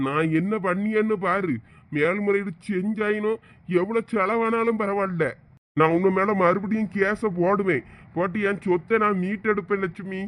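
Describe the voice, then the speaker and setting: A man's voice: high voice, steady tone, normal speed, a bit bright, no room sound. A man playing a ruined middle-aged village man who laments losing his property. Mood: lamenting. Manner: tearful, lamenting. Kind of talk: village comedy skit.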